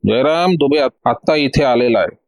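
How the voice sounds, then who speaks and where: A man's voice: medium pitch, moderate pace, no room sound, natural voice. A man voicing a stern middle-aged police inspector who questions sharply and commandingly. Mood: accusing.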